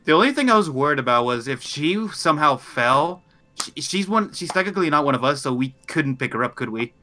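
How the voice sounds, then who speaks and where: A man's voice: fairly high pitch, sing-song, brisk, pushed and bright. A man talking casually as a player in a tabletop roleplaying game. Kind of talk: casual chat.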